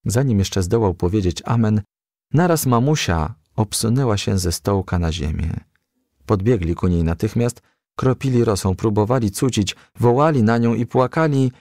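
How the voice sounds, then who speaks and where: A man narrates a children's storybook in a low, slightly creaky voice. He takes his time, yet his pitch moves widely and expressively from phrase to phrase. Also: darkish tone, no echo, clean studio sound. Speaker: audiobook reader.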